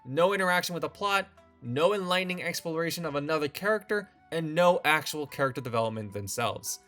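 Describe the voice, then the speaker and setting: A man's voice: a little high, lively intonation, a little fast, fairly bright tone. A young man hosting a scripted video essay, delivering wry, opinionated commentary. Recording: faint music behind the voice.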